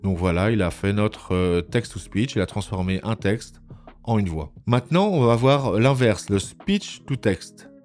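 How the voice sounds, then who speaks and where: Male tutorial presenter, lowish register, methodical and informal with hesitant pauses, music underneath. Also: expressive, darkish tone. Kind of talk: informal step-by-step screencast narration. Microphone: voice-over recorded on a microphone at a computer.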